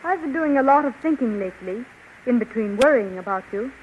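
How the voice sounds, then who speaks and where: A woman's voice: on the high side, lively intonation, brisk, a little hiss or hum, close to an everyday voice. An actress playing a weary young woman who pleads to go home, in a 1930s radio drama, recorded on a dull old radio broadcast. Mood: pleading. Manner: pleading, anxious.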